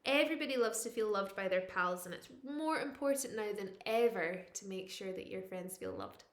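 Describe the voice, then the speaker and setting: In a mid-range, expressive voice, a female primary school teacher reads a picture book aloud to young children, pausing dramatically and putting questions to them. The recording is reverberant.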